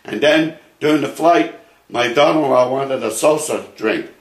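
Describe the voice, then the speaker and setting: Fairly high-pitched male speech at a moderate pace, with audible room echo. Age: 80s+. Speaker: elderly marijuana activist. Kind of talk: casual storytelling. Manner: animated.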